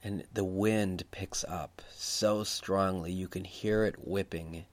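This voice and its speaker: Deep-voiced and steady, a man guides a Christian meditation as a preacher, taking his time in a reflective mood and repeating phrases to drive them home.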